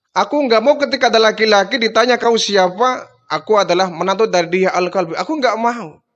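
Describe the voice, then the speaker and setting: A man's voice: very high-pitched, fairly bright tone, highs cut off, voice pushed up. A man voicing a remorseful Arab chieftain who pleads urgently as he confesses his sins.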